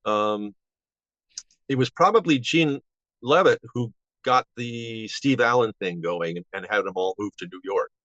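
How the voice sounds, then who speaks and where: An elderly man in his seventies looks back casually as an interview guest. He talks in a halting, rambling way, restarting sentences. The recording is slightly dull and lo-fi, with hardly any room sound. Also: on the low side, fairly bright tone, no echo. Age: 70s. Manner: halting, rambling with false starts. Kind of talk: casual reminiscing. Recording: dull, band-limited audio.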